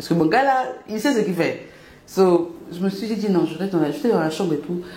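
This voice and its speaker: Talking at a very fast pace with lively intonation, a woman is heard with audible room echo and noticeable background noise. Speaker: vlogger giving relationship advice. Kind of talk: casual storytelling vlog. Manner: soft-spoken.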